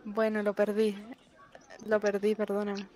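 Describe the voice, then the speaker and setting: A woman's voice: mid-range voice, completely flat delivery, unhurried, a little mellow. A woman with a Chilean accent in casual, improvised banter as a player in an online roleplay game.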